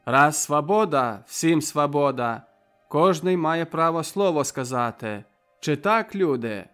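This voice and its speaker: A man doing a booming burly peasant. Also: animated, takes it slowly, fairly bright tone, smooth, soft background music. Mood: commanding. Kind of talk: audiobook character voice.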